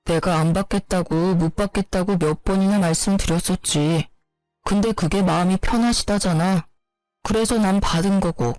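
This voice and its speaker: Evasive young husband, defensive and smooth-talking, read by a woman. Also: fairly low pitch, fairly even intonation, moderate pace, a little mellow, no room sound, faint music behind, natural voice, rough recording. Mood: calm. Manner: defensive, brushing off accusations.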